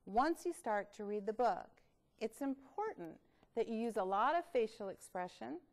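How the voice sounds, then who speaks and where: A woman presenting read-aloud tips in an expressive, instructional way, with deliberate emphasis. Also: on the high side. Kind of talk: instructional talk with storybook reading.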